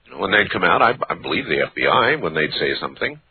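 A man's voice: deep voice, big pitch swings, fast talker, husky, no room sound. A man in his early fifties hosting a call-in radio show, talking earnestly with listeners. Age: 50s. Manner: earnest, conversational, asks short questions. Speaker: talk radio host. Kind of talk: late-night call-in talk radio. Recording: dry narrowband radio sound.

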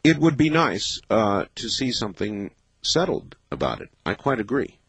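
A fifty-year-old man hosting a late-night call-in radio show, with a low, husky voice. He talks in a thoughtful, measured way, pausing and weighing his words. The sound is close and dry, straight from the studio mic. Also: very animated, dry recording. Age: 50s. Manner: thoughtful, measured, with many pauses and fillers. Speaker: radio talk show host.

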